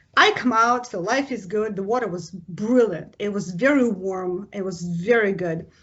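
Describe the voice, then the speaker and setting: A woman speaks at medium pitch in an animated tone, with ordinary pitch variation and a moderate pace. Noticeable background noise runs under her voice. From Russia. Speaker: English teacher. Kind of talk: casual interview chat. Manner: animated storytelling.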